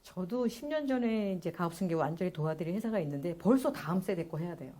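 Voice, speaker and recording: Woman host, brisk recapping delivery, lower pitch, warm mellow tone. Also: expressive. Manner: brisk, explains in short repeated summaries. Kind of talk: casual talk-show interview.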